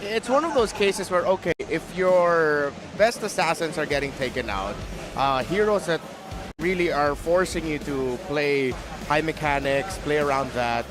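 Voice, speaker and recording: A man from the Philippines breaks down an esports match in a high voice, thinking aloud at a measured pace. Music plays loudly behind him. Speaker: esports analyst. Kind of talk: esports desk analysis.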